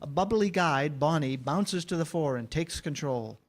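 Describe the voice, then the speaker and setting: A man's voice: on the high side, expressive, moderate pace. A man narrating the scene directions at a staged reading of a screenplay.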